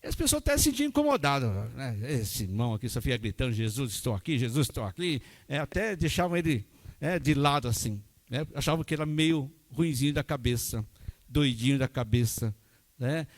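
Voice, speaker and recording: A man's voice: mid-range voice, big pitch swings, a little fast. A man, preaching a sermon in a folksy way that keeps checking in with the congregation. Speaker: pastor.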